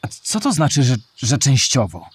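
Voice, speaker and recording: Curious young boy, slightly husky. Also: medium pitch, huge pitch swings, moderate pace, no room sound. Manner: inquisitive, wondering. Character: curious young boy listening to history tales. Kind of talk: children's educational audio play.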